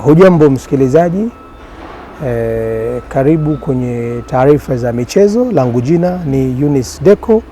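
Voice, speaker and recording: A man's voice: mid-range voice, dark tone, slight background noise. A man from Kenya whose first language is Somali, a journalist telling his career story in a casual interview, with many fillers and restarts. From Kenya, grew up in Garissa. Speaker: journalist guest.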